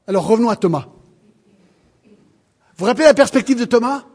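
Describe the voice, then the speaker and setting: A man with a high voice gives a sermon, reading scripture aloud. He acts out the lines with vivid, shifting expression and talks straight to his listeners. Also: animated, fairly quick, a little mellow, breathy edge. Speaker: preacher.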